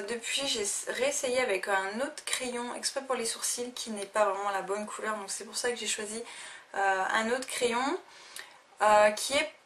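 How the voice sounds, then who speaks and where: A woman's voice: fairly high pitch, bright, forceful tone. Young woman, casual makeup review, hesitant, a little distant, faint background hiss. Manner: hesitant, many fillers and restarts. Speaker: beauty vlogger.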